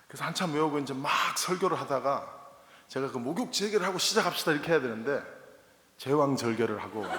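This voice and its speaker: A man with a fairly high pitch talks at a very fast pace with lively intonation and long, frequent pauses. Noticeable background noise and audible room echo fill the recording. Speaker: pastor. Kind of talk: sermon. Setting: church.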